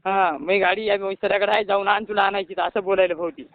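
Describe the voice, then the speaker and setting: Brief: distressed male caller over a phone line, high and fast, pleading and rambling. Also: steady tone, no echo. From Maharashtra. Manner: pleading, repeats "bhau" often, rambling. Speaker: caller asking for help. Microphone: phone call.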